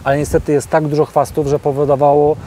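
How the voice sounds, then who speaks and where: A man hosting a casual interview outdoors in a farm field, talking in a halting way with many filler sounds. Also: on the high side, level tone, dark tone, slight background noise. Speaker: host.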